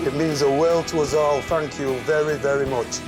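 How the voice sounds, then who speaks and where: A man's voice: a little high, fairly even intonation, normal speed. A man who runs a restaurant, talking on a phone call and repeating his phrases for emphasis. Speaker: restaurant owner and chef. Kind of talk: phone conversation. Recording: loud music over the voice.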